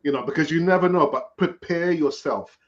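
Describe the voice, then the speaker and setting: A man's voice: fairly high pitch, a little fast. A man in a casual chat giving advice, speaking emphatically and repeating key words. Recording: dull lo-fi sound.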